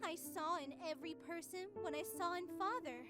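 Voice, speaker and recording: Very high-pitched, unhinged AI girl. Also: a little fast, loud music behind the voice. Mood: anguished, brooding. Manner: theatrical, grandiose, swinging between sweet and menacing. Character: unhinged female AI superintelligence, childlike, theatrical, Halloween-obsessed. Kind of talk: scripted visual novel voice acting.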